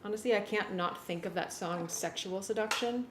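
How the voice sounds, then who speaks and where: Female, mid-pitched, casual working chat as an arranger; roomy recording with clear noise. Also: moderate pace. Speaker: music arranger working with a collaborator. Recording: echoey room, clear background noise.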